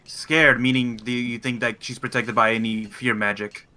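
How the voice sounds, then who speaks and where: A man's voice: mid-range voice, level tone, moderate pace, pushed and bright. A man talking casually as a player in a roleplay game, questioning and insistent.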